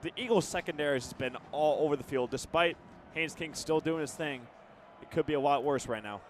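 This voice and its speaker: A man giving live radio football analysis in a halting, conversational way, often restarting his phrases. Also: a little high, a little hiss or hum. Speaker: color commentator.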